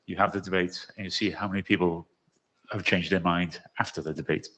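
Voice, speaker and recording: Deep-voiced co-chair explaining plainly. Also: male voice, steady tone, fairly quick, a bit bright, poor audio. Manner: plain, matter-of-fact explanation. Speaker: working group co-chair. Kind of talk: explaining from the microphone.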